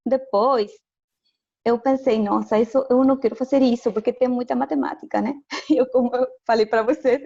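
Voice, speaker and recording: A woman's voice: on the high side, a little mellow, dull audio. A woman from Chile with a Chilean Spanish accent and Spanish as her first language, speaking Portuguese carefully and hesitantly as an interview guest, laughing often. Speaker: interview guest, education lecturer. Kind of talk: casual video call interview.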